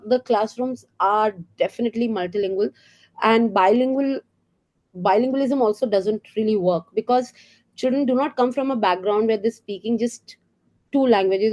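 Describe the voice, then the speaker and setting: A middle-aged woman with an Indian English accent talks teachers through classroom ideas, her voice sitting a little high. She explains earnestly, checks in with rhetorical questions and fills pauses with small ums and uhs. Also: dark tone. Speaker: teacher trainer. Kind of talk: professional development talk for teachers.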